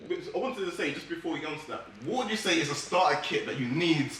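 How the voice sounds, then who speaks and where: A man's voice: a little high, lively intonation, quick pace, a bit bright, slight background noise. A young man hosting a channel in casual chat, upbeat and prompting his guest with questions. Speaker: host, YouTuber. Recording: echoey room.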